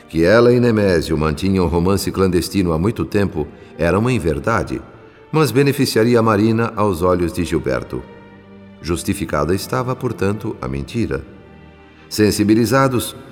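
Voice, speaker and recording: A Brazilian man narrates a radio drama in a deep, solemn voice. His delivery is formal and measured, with long reverb and faint music behind him. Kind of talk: scripted dramatic literary narration.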